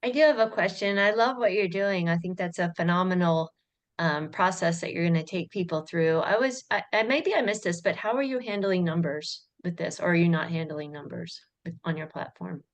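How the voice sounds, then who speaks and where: A woman judging a student competition, her voice on the lower side. She sounds encouraging and patiently rephrases her question when asked. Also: normal speed. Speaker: competition judge.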